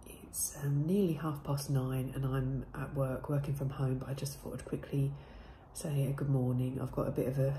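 Low, congested woman vlogging chattily. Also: a little hiss or hum, rough recording. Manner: chatty, chirpy and warm. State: congested, bunged-up nose. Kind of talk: casual daily vlog chat. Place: home and car, indoors. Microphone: phone camera at arm's length.

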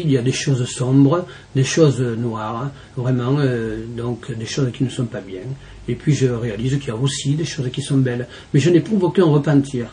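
A man's voice: mid-range voice, warm tone, slight background noise. Earnest French deacon telling his testimony. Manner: earnest, halting, with many restarts and fillers. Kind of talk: personal testimony in an interview.

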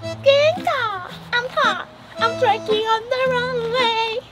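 A woman's voice: extremely high pitch, drawn-out words, over loud music, rough recording. A woman at an outdoor campsite playfully chants short phrases into an electric fan, her voice chopped and warbled by the blades. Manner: silly sing-song chanting. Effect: voice chopped and warbled by speaking into a spinning electric fan. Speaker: camping vlogger. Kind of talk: playful casual vlog chatter.

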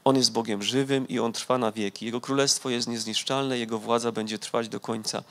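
A man reading aloud the decree of an ancient male king, solemn and measured. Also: mid-range voice, steady tone, a bit bright, lightly acted.

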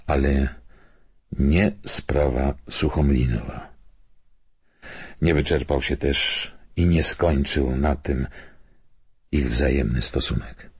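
Really low voiced guy reading an audiobook, kinda husky, formal and measured, dry close sound. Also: no room sound. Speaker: audiobook narrator. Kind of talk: scripted literary narration, reading a documentary novel and letters.

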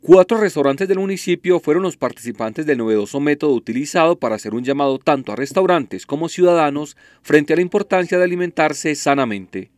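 Male local-news voice-over, steady scripted read, slightly high voice. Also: fairly quick, hardly any pauses. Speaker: news reporter.

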